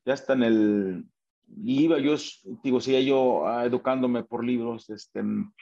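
A man's voice: mid-range voice, steady tone, moderate pace, gravelly, mellow, lo-fi sound. A man with a Mexican accent telling his life story in a casual interview, acting out quoted dialogue, with many fillers and restarts.

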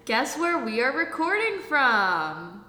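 A young woman co-hosting a casual podcast, bubbly and excitable, her voice echoing as in a big empty hall of an unfurnished apartment. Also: sits high, slow pace. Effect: big hall-like echo of an empty room. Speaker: podcast co-host. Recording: echoey empty room, roomy reverb, faint noise.

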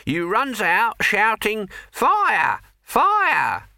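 A man voicing an elderly, opinionated townsman with a high, cracking voice who grumbles indignantly. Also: very animated, slow pace, bright, forceful tone, no echo, studio quality, exaggerated voice. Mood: eager. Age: older. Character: elderly male pipe-smoking townsman, opinionated.

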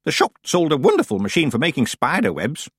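Storybook old witch played by a man: high, wildly animated pitch, proud and sly, old-fashioned genteel manner. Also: brisk, no room sound, studio quality, full character voice. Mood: pleased, wry. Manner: crisp, dramatic, old-fashioned genteel phrasing. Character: old woman witch, sly, proud, theatrical, kindly stern. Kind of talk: audiobook character voice.

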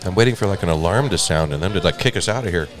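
A man's voice: low-pitched, expressive, racing, faint music behind. A man casually chatting and joking while eating a burger at a restaurant. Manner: joking, playful. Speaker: co-host of a food review show.

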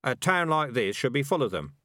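A man's voice: medium pitch, very animated, sharp tone, no room sound, studio quality, voice pushed up. Man acting a tough, wary rat sergeant. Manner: brisk, wary, commanding. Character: Dark Tan, tough lean male rat sergeant.

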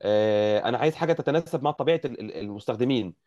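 Rapid-talking Egyptian man, muffled audio. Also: medium pitch, dark tone. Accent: Egyptian Arabic. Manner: explains at length with many restarts. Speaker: guest engineer. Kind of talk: explanatory interview talk.

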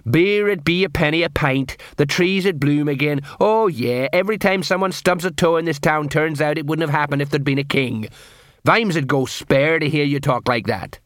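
A man's voice: a little high, moderate pace, a bit bright, no room sound, clean studio sound, close to an everyday voice. A man voicing an older, cynical watch sergeant in an audiobook, grumbling sarcastically. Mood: sarcastic.

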